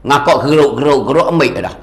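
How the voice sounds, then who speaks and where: A man giving a sermon lecture as a religious teacher, animated and repetitive, his voice rising and falling for emphasis. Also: a little high, fast talker, reverberant.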